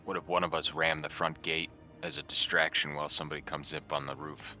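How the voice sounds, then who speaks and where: A man's voice: rumbling low, little pitch movement, a little fast, sharp tone, faint music behind. A man playing a tabletop game, hesitantly and politely proposing plans on a slightly dull voice track. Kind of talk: in-game planning chat.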